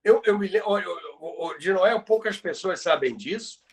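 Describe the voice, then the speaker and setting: A man with a Brazilian accent and a high-pitched, lively voice recounts radio history as a guest, speaking at a moderate pace. His conversational storytelling is emphatic, and he repeats phrases for effect.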